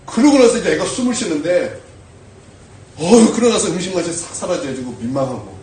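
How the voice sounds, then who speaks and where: Male pastor, animated sermon delivery, higher voice, distant and roomy church sound. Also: fairly quick. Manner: animated preaching with frequent rhetorical questions. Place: church sanctuary. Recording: echoey church from afar.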